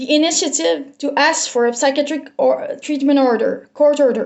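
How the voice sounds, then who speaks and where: A woman is speaking. Her voice is high-pitched, with ordinary pitch variation. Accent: Quebec. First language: French. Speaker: vlogger. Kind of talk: personal video diary. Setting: recorded on cellphone. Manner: halting, self-correcting.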